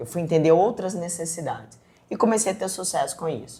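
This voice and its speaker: With a Minas Gerais accent, a woman talks at a fairly quick pace in a fairly low pitch, using ordinary pitch variation. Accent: mineiro accent, noticeable. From Brazil, Minas Gerais (Belo Horizonte). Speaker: customer experience consultant. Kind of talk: interview.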